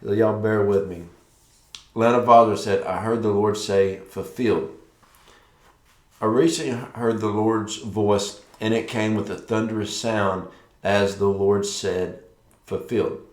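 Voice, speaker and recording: A middle-aged man with a fairly low voice presents a devotional prophetic talk in a noticeably echoey space. He talks as best he can around a sore mouth with fresh stitches from dental surgery, sharing and commenting as a ministry leader. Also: fairly even intonation, a little slow, darkish tone. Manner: careful, slightly impeded speech from a sore, stitched mouth after dental surgery. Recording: echoey, roomy sound.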